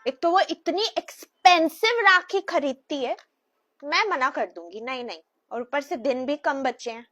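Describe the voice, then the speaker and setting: A woman's voice: high-pitched, animated, a little slow, a bit bright. A woman playing a boastful middle-aged mother-in-law who brags and brushes things off. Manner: bragging, dismissive.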